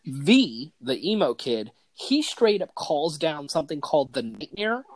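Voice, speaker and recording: A man hosting a casual gaming podcast, talking excitedly and enthusiastically in loose slang. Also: a little high, a little slow, no room sound. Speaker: podcast host.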